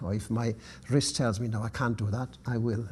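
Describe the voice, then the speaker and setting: A man with a Welsh accent speaks at a moderate pace in a fairly low, somewhat breathy voice with ordinary pitch variation. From Wales. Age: 70s. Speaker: stone carver. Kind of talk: instructional explanation while working. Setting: workshop. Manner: calm, gentle.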